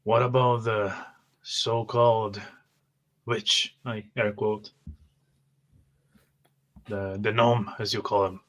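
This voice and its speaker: A man with a fairly low voice roleplays at a tabletop game. His delivery is slow, halting and deliberate, with very little rise and fall as he moves between character speech and describing actions. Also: little pitch movement, a bit bright, highs cut off. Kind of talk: in-character roleplay mixed with first-person narration.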